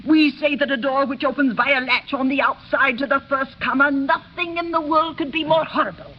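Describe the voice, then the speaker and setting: A woman's voice: high voice, steady tone, brisk, close to an everyday voice. Fretful old housekeeper, voiced by a woman. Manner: anxious, chattering, scolding. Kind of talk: 1930s radio acting. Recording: muffled old radio broadcast.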